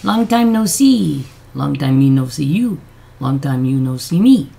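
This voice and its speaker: A woman with a deep, throaty voice chatting in a rambling, self-deprecating way on a casual beauty vlog; her voice has changed and she can't hit high notes. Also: lively intonation, a little slow, creaky, mellow. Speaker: beauty vlogger.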